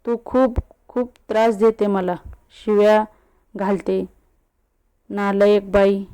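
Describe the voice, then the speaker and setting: A woman's voice: mid-range voice, fairly even intonation, takes it slowly, warm tone, clear, resonant tone, dry recording, lightly acted. A woman voicing a tipsy, childish young woman who slurs and lisps like a small child. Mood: tipsy, sulky. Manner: slurred, babyish lisping speech.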